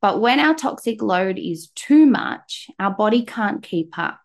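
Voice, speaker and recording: A woman's voice: medium pitch, expressive, a little slow. Chatty Australian woman guest. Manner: chatty and explanatory. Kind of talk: casual podcast interview.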